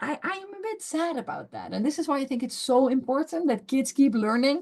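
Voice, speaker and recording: This woman's pitch is high and her intonation lively. She speaks at a moderate pace. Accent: Dutch. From Netherlands. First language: Dutch. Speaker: professor. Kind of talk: interview.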